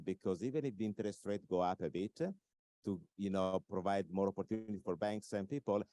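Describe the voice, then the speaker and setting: A man with an Italian accent explaining his ideas in an interview, pausing often on uhs and stressing his key points. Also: deep voice, dark tone, dry recording. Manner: explanatory, many filler uhs, emphatic points. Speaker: author and expert speaker. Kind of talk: recorded interview talk.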